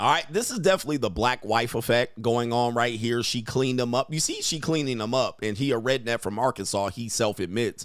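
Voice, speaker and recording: Fairly quick, animated delivery with hardly any pauses and ordinary pitch variation. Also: man, medium pitch for a man. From US, urban neighborhood. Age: 50s. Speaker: dating coach and commentator. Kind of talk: live stream commentary reacting to videos.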